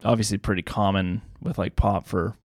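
A man's voice: on the low side, fairly even intonation, moderate pace, darkish tone, no room sound, studio quality. A Canadian man hosting a podcast, asking a guest prepared, informative questions. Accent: Canadian English. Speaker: podcast host. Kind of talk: interview questions.

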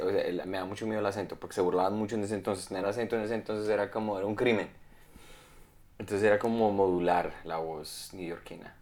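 A man's voice: lowish voice, darkish tone. Easygoing man musing aloud. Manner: curious, reflective, easygoing. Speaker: podcast co-host. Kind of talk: casual chat.

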